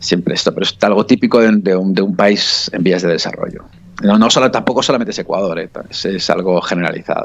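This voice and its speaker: With a Spanish accent, a man talks at a very fast pace in a fairly low pitch. His intonation is fairly even, and there is noticeable background noise. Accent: Spanish (Spain). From Spain. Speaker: researcher. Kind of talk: radio interview. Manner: halting, many false starts. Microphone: difficult connection.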